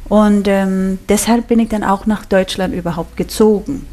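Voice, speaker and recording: A woman's voice: mid-range voice, fairly even intonation, normal speed, warm tone. A woman with a Danish accent, speaking German as a guest and laughing often in a casual interview. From Denmark. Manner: laughs often, chatty and self-mocking. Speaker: guest, singer.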